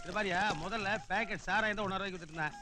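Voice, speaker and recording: Brief: male actor as a grumpy son-in-law, rapid sarcastic scolding, film comedy. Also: sits high, natural voice. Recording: film soundtrack with music.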